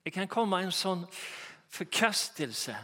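A man preaching a sermon in a fervent manner, rising to loud exclamations. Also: high voice, sing-song. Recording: reverberant hall.

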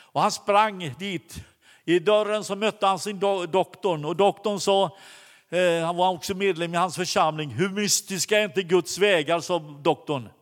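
High-voiced preacher in echoing hall. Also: male voice. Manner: storytelling, halting with many restarts. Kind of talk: sermon. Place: church hall. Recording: long hall reverb.

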